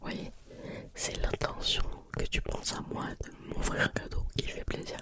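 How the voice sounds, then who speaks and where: Through noticeable background noise, a woman whispers at a very slow pace. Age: 20s. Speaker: ASMR creator. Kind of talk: ASMR whisper talk. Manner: whispered.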